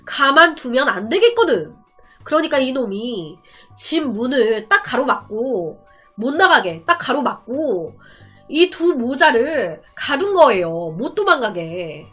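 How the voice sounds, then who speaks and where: A woman's voice: high-pitched, very animated, unhurried, a bit bright, breathy edge, soft background music. A woman narrating a true-crime story in a dramatic, conversational storytelling style with rhetorical asides.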